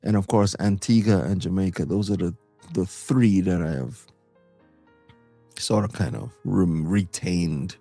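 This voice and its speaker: This deep-voiced middle-aged man from Trinidad, with his Trinidadian accent, chats casually as a co-host while faint music plays. Lively and quick to laugh, he fills his talk with fillers and frequent restarts.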